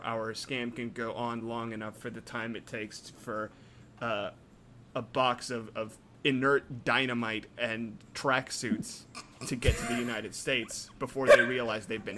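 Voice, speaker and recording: Brief: mid-pitched man, rambling, mock-outraged banter. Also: bright, forceful tone, a little hiss or hum. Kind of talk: casual comedic chat.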